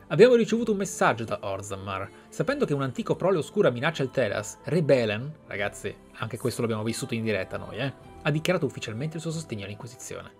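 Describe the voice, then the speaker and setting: Italian man narrating a game, faint music. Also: medium pitch. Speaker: gaming video host. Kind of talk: narrated playthrough, reading game text and commenting.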